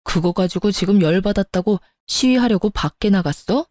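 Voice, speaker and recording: A woman's voice: medium pitch, normal speed, darkish tone, no echo, clean studio sound, natural voice. Woman doing an irritated, blaming husband. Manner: blaming, curt and dismissive.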